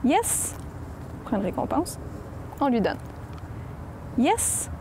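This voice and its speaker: A woman with a Québécois accent explains dog training patiently, using everyday examples. Her voice sits a little high. The room echoes with a long reverb, and faint noise sits underneath. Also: big pitch swings, slow pace. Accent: Québécois French. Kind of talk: explaining training methods in an interview.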